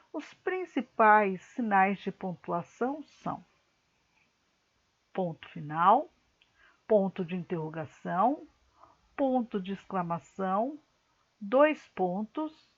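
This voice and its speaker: Female teacher, recorded class lesson, slow careful explaining, dull lo-fi sound. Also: medium pitch.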